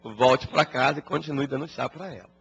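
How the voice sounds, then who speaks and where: A man voicing a calm, wise old male sage who gives patient, reassuring counsel, recorded as dull lo-fi broadcast audio. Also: mid-range voice, fairly quick, vocal fry, slightly rough, heavily acted.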